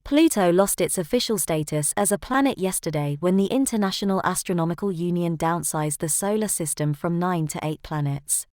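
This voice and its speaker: A woman's voice: fairly low pitch, a little fast, few pauses, a little mellow, no room sound, clean studio sound. A woman reading a prepared passage aloud as scripted narration. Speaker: model reader for an English exam lesson.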